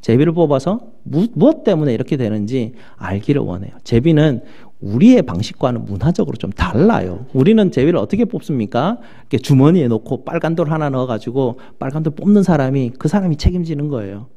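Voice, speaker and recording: A male pastor preaching a sermon in a church, animated, swinging from loud outbursts to low asides. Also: brisk, hardly any pauses, lo-fi sound.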